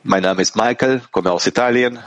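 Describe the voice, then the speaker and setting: A man working as a live interpreter at a congress, speaking in halting, phrase-by-phrase pieces. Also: medium pitch, some chatter behind.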